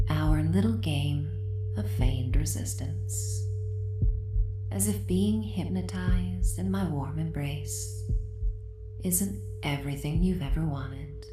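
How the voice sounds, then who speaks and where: Mysterious female caretaker, acted by a woman for hypnosis roleplay: low-pitched, breathy, soothing, possessive, over ambient music. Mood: teasing, knowing. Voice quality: soft, breathy whispering. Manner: slow, soothing, hypnotic, often dropping into whispers. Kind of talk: scripted hypnosis roleplay audio, ASMR-like. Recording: echoing voice over ambient tones. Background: soft ambient music with humming tones.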